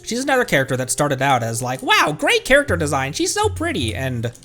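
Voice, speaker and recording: A man's voice: huge pitch swings, brisk, pushed and bright, soft background music. A young man streaming a game, talking casually with a tight, strained throat and a slightly shredded voice, rambling with fillers and restarts. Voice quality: tight throat, voice pushed into a higher register. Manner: rambling, with many fillers and self-corrections. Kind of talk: casual live gameplay commentary.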